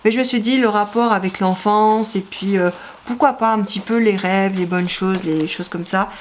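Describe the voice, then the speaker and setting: A young woman talking casually about her autumn reading list for her channel, pausing often with fillers and sounding eager about the books. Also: mid-range voice, fairly even intonation, background noise. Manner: hesitant, many "euh" fillers, enthusiastic. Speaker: book vlogger. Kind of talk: casual book haul vlog.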